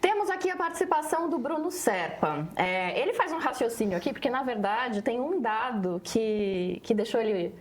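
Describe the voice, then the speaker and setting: A woman co-hosting a talk show, moderating the chat in a playful, brisk way. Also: fairly high pitch, animated. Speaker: co-host.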